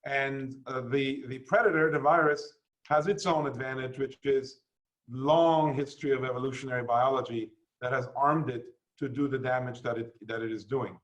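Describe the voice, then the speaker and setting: Man giving a formal speech; measured, explains carefully, mid-range voice. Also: medium pitch, fairly even intonation, low-quality recording. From Canada and the United States. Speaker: guest speaker. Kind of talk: formal address.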